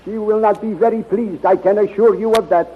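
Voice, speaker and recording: An actor playing a confident, reassuring scientist in a 1930s radio serial, speaking formally and with assurance. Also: male voice, sits high, steady tone, fairly quick, husky. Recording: tinny, noisy 1930s radio recording.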